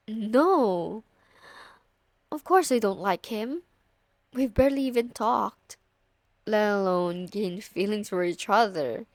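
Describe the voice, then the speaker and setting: A woman's voice: mid-range voice, no room sound. A young woman playing a friend's teasing, bossy older sister in an intimate ASMR audio roleplay, casual and lightly exasperated. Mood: coy, guarded.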